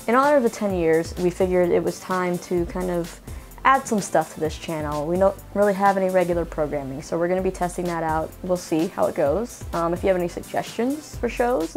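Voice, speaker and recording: Woman host in her thirties, low gravelly voice, chatty and self-mocking, soft music under. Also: fairly quick. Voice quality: low, slightly mannish voice. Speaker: interview channel host. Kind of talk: casual video narration.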